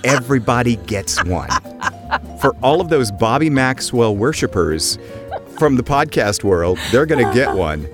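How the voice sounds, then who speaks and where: A man's voice: mid-range voice, measured pace, music in the background. A man co-hosting a podcast, teasing and joking in casual banter. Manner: playful, teasing, lively. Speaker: podcast co-host.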